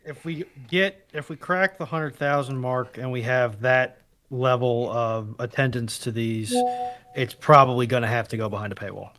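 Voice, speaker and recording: A man with a medium-pitched voice chats as a co-host on a livestream. His delivery is casual and conversational. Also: steady tone, moderate pace, sharp tone, soft background music. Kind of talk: casual chat.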